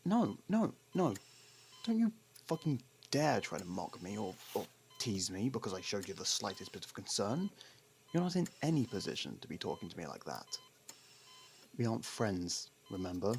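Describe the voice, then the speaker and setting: A man acting a sarcastic, scolding criminal partner who hides his worry, in an ASMR roleplay with halting pauses. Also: lowish voice, big pitch swings, gravelly, slight background noise. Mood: angry, defensive. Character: gruff, sarcastic criminal partner, secretly worried.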